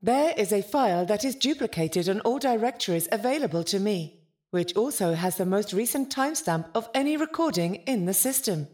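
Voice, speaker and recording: A woman's voice: medium pitch, lively intonation, brisk, darkish tone, natural voice. A woman voicing a polite, literal-minded spaceship artificial intelligence in an audio drama, formal, precise and detached.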